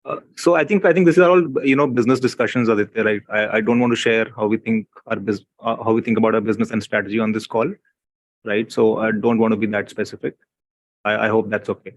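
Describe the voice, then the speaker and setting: A man speaking as a company executive, giving unscripted answers to investor questions with measured, hesitant phrasing. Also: lowish voice, fairly even intonation, no echo. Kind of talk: unscripted earnings call answers.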